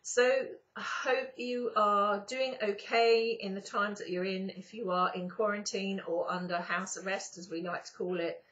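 A middle-aged woman speaks to her webcam from a sofa at home, her voice croaky as if from early morning. She stretches out her words slowly and pauses often as she talks about spiritual matters. The audio is a little dull. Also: mid-range voice, fairly even intonation, fairly bright tone. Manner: slow, drawn-out phrasing with pauses. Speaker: spiritual channeler and YouTuber. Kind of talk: casual spiritual monologue to camera. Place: indoors, sitting on a sofa at home. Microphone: webcam at close range.

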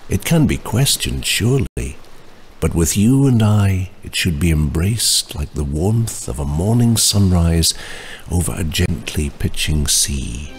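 Male actor as solemn romantic drama lead, Scottish, resonant, deep and expressive, slight background noise. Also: a little slow. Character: romantic, solemn male lover musing on destiny.

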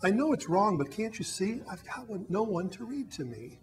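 A little storybook creature, timid and full of sorrow, speaks in a soft, raised, apologetic voice, as a man reading aloud puts him on. His words come out hushed and tearful. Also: sits high, big pitch swings, moderate pace, a little hiss or hum, voice pushed up. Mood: mournful. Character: small sorry creature, timid and mournful.

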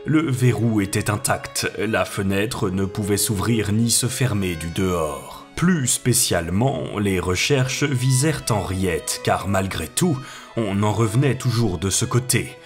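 A man narrating a classic novel as an audiobook reader in a calm, steady way. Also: lowish voice, unhurried, faint music behind. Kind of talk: scripted narration.

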